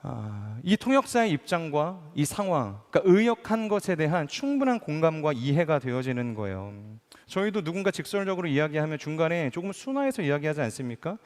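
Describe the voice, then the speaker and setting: A middle-aged man preaching with a somewhat high voice, putting rhetorical questions to the congregation and slipping into the voices of the people he quotes. His words ring out with a long reverb in a large church hall. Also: sing-song, a little fast, few pauses. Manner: acts out quoted speakers in changed voices. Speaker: pastor. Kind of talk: sermon.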